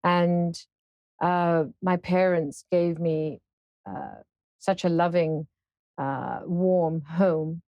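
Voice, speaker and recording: A woman in her fifties from Singapore, a guest in an interview, speaking thoughtfully with many pauses and fillers. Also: on the low side, fairly even intonation, dry recording, muffled recording. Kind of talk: casual interview conversation.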